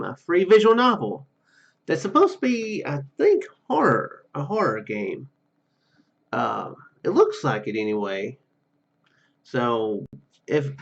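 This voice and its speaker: A man hosting a gaming video, commenting casually and reading game text aloud in a halting, rambling way. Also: fairly high pitch, lo-fi sound.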